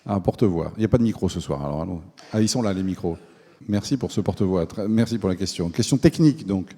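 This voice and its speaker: A man moderating a public question-and-answer session, brisk and busy keeping the room in order. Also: low-pitched, warm tone, husky. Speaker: event moderator. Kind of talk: hosting a public Q&A. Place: large hall at a public event. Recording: reverberant hall.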